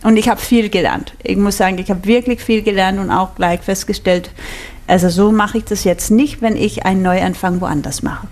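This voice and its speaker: A woman's voice: medium pitch, fairly even intonation, moderate pace, a little mellow. A woman with a Danish accent, speaking German as a guest and laughing often in a casual interview. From Denmark. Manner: laughs often, chatty and self-mocking. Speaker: guest, singer.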